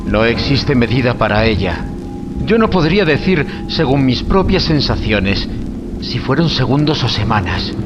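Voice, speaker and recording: An actor playing a young, obsessive Egyptology scholar in an audio horror drama, theatrical and erudite. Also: male voice, medium pitch, muffled recording, noisy background, natural voice.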